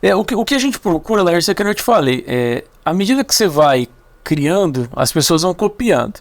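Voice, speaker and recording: Moving at a fairly quick pace, a man speaks with a high pitch and very wide pitch swings. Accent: Paraná. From Paraná, southern Brazil. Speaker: dentist. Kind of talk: podcast interview.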